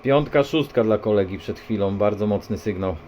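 A man's voice: on the low side, normal speed. Man on a very noisy CB radio. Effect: CB radio transmission. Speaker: amateur CB radio operator. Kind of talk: CB radio contact exchange, casual. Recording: muffled, very noisy CB radio recording.

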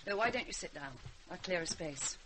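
Actress as anxious prim mother, lively pitch. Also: a little fast, background noise, natural voice. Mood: tense, polite. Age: middle-aged. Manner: brittle, polite, hesitant. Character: anxious, prim middle-aged mother, ex-schoolteacher manner. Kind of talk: radio drama acting.

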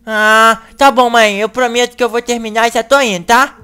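A woman hosting a gaming channel, acting in a comedic video-game animation with an excitable, whiny way of talking. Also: fairly high pitch, smooth. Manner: excitable, whiny, fast bursts.

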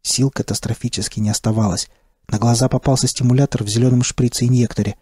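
A man narrating an audiobook in the first person with a steady, terse delivery. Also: mid-range voice, fast talker, husky, no room sound, clean studio sound.

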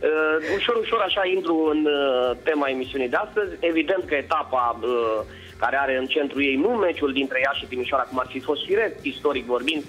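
A man's voice: medium pitch, a bit bright, husky. A man, a senior sports journalist, calling in by phone to a morning show and teasing the hosts in a chatty way. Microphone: phone line. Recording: dull lo-fi phone line with music.

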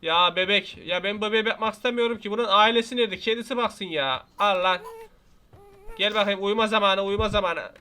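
Young man, Turkish accent, high voice, bright tone, excitable gaming commentary, jokey. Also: a little fast, clear, resonant tone. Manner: excitable, jokey, talks to the game baby and threatens it playfully. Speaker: gaming YouTuber. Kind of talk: let's play commentary.

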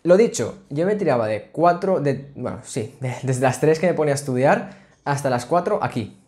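A man in his twenties talking casually to his webcam from a small home office, chatty and full of restarts. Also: medium pitch. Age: 20s. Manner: chatty, restarts and filler sounds, animated hand gestures. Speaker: student vlogger. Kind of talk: casual explainer vlog. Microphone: laptop webcam, framed at a desk.

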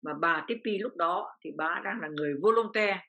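A woman's voice: fairly low pitch, a little fast, pushed and bright. An older woman from Vietnam, an interview guest, telling a personal story with feeling and repeating phrases as her voice rises.

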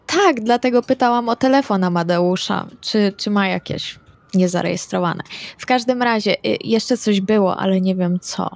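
Female RPG player, mid-pitched, matter-of-fact casual table chat, very dry recording. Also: moderate pace, gravelly, no room sound. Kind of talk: casual in-character game chat.

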